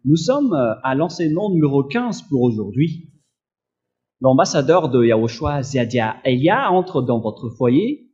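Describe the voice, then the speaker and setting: A man preaching a sermon, slow and emphatic with frequent hesitations and a slight cough. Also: medium pitch, sing-song, darkish tone, highs cut off. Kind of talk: sermon teaching.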